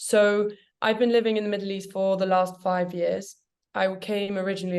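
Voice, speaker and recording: A woman speaks with a British accent. Her intonation is monotone and flat. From UK. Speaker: tech company founder. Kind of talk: webinar interview. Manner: talkative.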